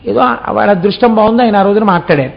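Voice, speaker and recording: Male preacher, high voice, explanatory storytelling sermon, dull lo-fi recording. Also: fast talker, creaky. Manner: explanatory, asks rhetorical questions. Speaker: religious discourse speaker.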